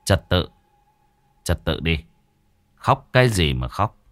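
A composed young exorcist, played by a man gives orders in a low, even voice. He speaks unhurried and firm, with lively turns of phrase, recorded dry and close for a spoken ghost story. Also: dry recording, full character voice. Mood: commanding. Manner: measured, commanding, steady. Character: calm, authoritative young male exorcist.

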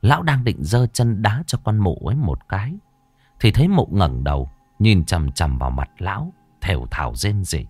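A man reading a ghost story aloud in a steady storytelling manner. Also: low voice, moderate pace, husky, dry recording, faint music behind. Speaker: narrator.

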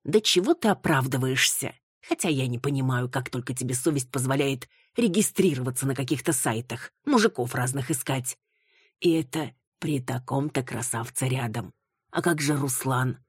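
A woman's voice: very deep voice, animated, moderate pace, slightly rough, no echo, studio quality, full character voice. A woman reading an audiobook, voicing a nosy elderly woman who lectures and gives advice. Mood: scolding. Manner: lecturing, prying.

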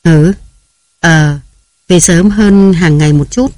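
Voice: medium pitch, takes it slowly, a little mellow, dry recording, clean studio sound, natural voice. A troubled, distracted husband, as the narrator puts him on. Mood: subdued.

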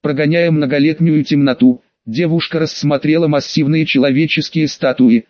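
A male audiobook narrator reading fantasy prose in a steady, measured way. His voice sits fairly high for a man. The recording is dry, with no room sound, and a little dull in tone. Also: dry recording. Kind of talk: scripted narration.

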